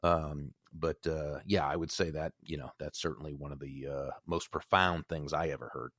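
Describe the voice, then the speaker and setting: Deep-voiced man with a faint Boston accent. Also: steady tone, normal speed, fairly bright tone, dry recording, studio quality. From Massachusetts, USA. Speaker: interview guest. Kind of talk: casual podcast interview.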